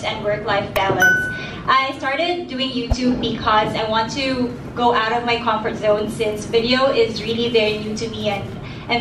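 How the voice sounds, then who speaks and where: A woman's voice: a little high, background noise. A woman, a career tips creator, giving an earnest introduction on a panel. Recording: echoey hall from far off.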